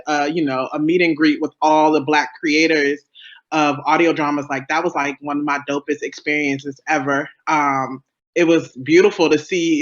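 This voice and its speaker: A woman speaking casually as a panelist and audio drama creator, over a dull lo-fi call. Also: low-pitched.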